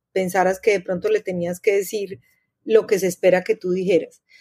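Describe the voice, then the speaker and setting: Dry and close with no echo, a woman in an Antioquian accent speaks at a fairly quick pace with fairly even intonation. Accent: paisa. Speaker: physician and former health official. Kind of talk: interview.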